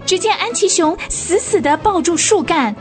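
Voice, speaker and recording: A woman narrating a children's radio drama in an expressive storytelling manner. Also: extremely high pitch, normal speed, soft background music.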